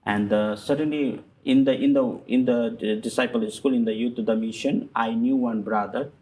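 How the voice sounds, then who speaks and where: A middle-aged man, a guest telling his personal story in halting, full of fillers and restarts. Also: medium pitch, steady tone, a little mellow, low-quality recording. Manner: halting non-native English with many fillers and restarts. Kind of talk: personal testimony in conversation.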